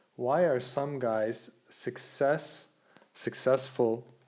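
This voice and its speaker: A man speaks quietly in a dark, mellow tone. His delivery is calm, with fairly even intonation. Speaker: dating coach. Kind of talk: livestream talk. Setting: home livestream at night.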